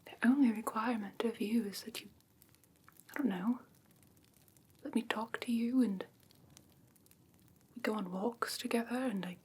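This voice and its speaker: Softly whispering sweet fae lady, played by a woman. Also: on the high side. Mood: tender, reassuring. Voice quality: soft, breathy whisper. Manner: gentle, genteel wording with coaxing endearments. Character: sweet, doting, slightly haughty female fae creature adopting humans. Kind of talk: whispered ASMR fantasy roleplay.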